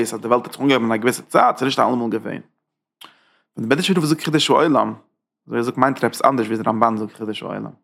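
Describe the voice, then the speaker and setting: A man teaches a Hasidic text in a gravelly voice at a middle pitch. He talks in halting phrases, stops often to search for words, and drops Hebrew and English terms into his Yiddish-style German. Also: fairly bright tone. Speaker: Torah teacher.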